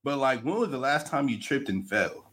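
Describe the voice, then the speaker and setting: A man's voice: medium pitch, lively intonation, a bit bright. Laid-back young man telling stories. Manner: laid-back slang storytelling, drawn-out. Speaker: podcast co-host. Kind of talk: casual chat.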